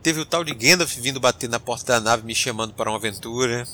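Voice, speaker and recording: Um homem interpretando um capitão de nave informal e expressivo, apresentador e narrador de um audiodrama. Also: male voice, mid-range voice, fast talker, bright, forceful tone, soft background music, close to an everyday voice. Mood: upbeat, narrating. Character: male spaceship captain, breezy, mildly grumpy storyteller. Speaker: host. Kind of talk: audio drama narration and dialogue.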